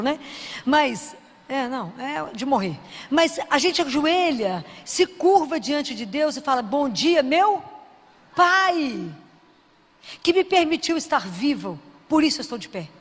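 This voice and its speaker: A woman preaching a sermon who quizzes the audience and drops to a soft, low voice for prayers. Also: animated, normal speed. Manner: asks the audience questions and answers them. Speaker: Christian preacher. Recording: long hall reverb.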